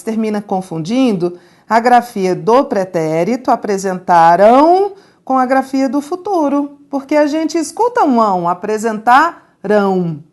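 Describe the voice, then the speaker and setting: Slow, didactic woman teaching grammar. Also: fairly high pitch, darkish tone. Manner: didactic, asks and answers her own questions. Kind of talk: recorded grammar lesson.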